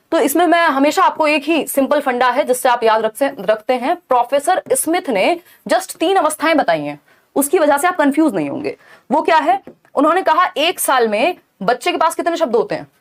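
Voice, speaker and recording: A young woman with a high, light voice teaches an exam-prep class online. She explains each point step by step and keeps pausing to check that her listeners are following. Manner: explanatory, checks in often with "thik hai". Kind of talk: online lecture.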